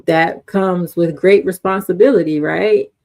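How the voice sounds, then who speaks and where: A woman's voice: fairly low pitch, warm tone. A woman interviewing a guest, speaking in a thoughtful, affirming way. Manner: slow, affirming, thoughtful questions. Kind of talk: conversational interview.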